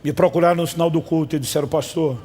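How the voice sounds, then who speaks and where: A man's voice: fairly high pitch, fairly even intonation, quick pace, mellow, in a large hall. A man from Brazil preaching a sermon as pastor, emphatic and calling on the congregation to respond.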